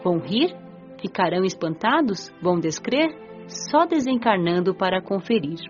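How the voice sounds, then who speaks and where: A woman's voice: mid-range voice, moderate pace, close to an everyday voice. A woman playing an eager, curious young female spirit, narrating her afterlife in an earnest audiobook drama. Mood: wondering. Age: young adult. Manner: expressive, earnest storytelling. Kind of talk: scripted first-person audiobook narration. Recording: dull lo-fi audio over music.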